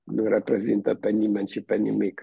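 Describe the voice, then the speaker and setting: With no echo, the sound of a man speaking is dry and close. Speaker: panel guest. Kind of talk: panel discussion.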